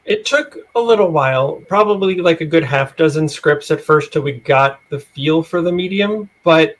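A man with a fairly high voice for a male speaker talks as a podcast guest. He explains a writer's craft in an informal, conversational way. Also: normal speed. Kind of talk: casual explanatory talk.

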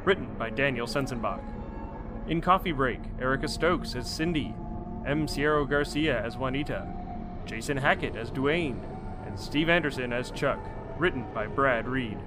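A man's voice: medium pitch, moderate pace. A man reading scripted production credits as an announcer. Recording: music behind the voice.

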